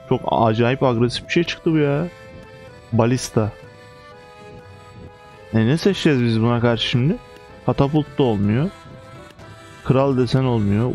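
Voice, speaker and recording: A young man giving casual, excitable gameplay commentary, chanting quick commands at his units and joking about how the battle goes. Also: mid-range voice. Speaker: gaming YouTuber.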